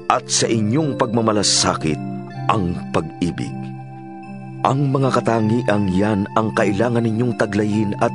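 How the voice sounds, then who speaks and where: A man with a Filipino accent giving a solemn, deliberate dramatized reading of scripture as an audiobook narrator. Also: on the low side. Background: music.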